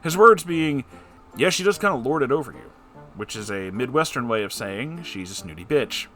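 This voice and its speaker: A man's voice: medium pitch, very animated, normal speed, pushed and bright, faint music behind. A man hosting a letter-reading show, performing listeners' letters expressively and answering with wry, conversational advice. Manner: theatrical, wry asides.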